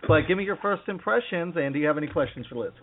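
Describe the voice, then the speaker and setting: A man's voice: on the high side, expressive, quick pace. A man hosting a podcast interview, talking in an easygoing, rambling way. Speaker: podcast host. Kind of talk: casual interview chat. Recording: tinny phone-like line with faint noise.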